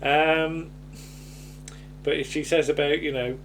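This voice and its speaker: A man's voice: fairly high pitch, little pitch movement, slow pace, a bit bright, a little hiss or hum, rough recording. A man chatting casually as he reviews an episode, hesitant and rambling, often ending on tag questions. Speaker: podcast host.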